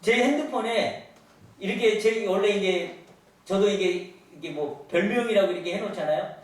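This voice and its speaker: High-voiced male pastor in an echoey church. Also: moderate pace. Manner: storytelling with rhetorical questions to the congregation. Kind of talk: sermon. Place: large church sanctuary. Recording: echoey church hall, voice from far off.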